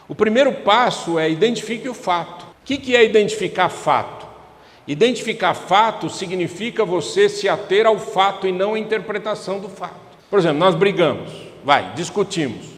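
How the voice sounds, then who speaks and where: A man with a Brazilian Portuguese accent preaching a sermon in a conversational way, often putting questions to the congregation. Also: a little high. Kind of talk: church sermon. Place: church hall. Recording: echoey church hall with long reverb.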